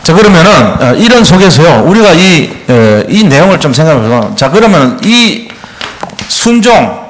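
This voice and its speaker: A man's voice: a little high, very animated, normal speed, slight background noise. A man preaching a midweek sermon as a pastor, acting out the voices of the parents and children he quotes. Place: church sanctuary.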